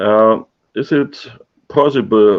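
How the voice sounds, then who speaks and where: Speaking with a German accent, a man at medium pitch shows ordinary pitch variation. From Germany. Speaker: caller. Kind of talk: asking a question. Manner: halting.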